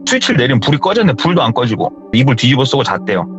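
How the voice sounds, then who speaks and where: Speaking at a racing pace in a medium pitch, this horror radio host retells a viewer's true story in a casual way, animatedly voicing the characters himself. The sound is lo-fi, with soft music playing underneath.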